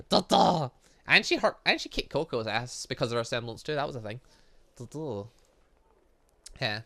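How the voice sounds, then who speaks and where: A man's voice: a little high, sharp tone. A man doing chatty, rambling let's play commentary as a gaming host, breaking into playful sing-song interjections. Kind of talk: let's play commentary, reading game dialogue aloud.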